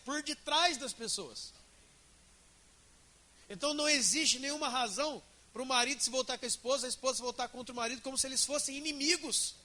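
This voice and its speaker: A man's voice: very high voice, sharp tone. A man preaching a sermon as pastor in a church, emphatic and asking the congregation questions.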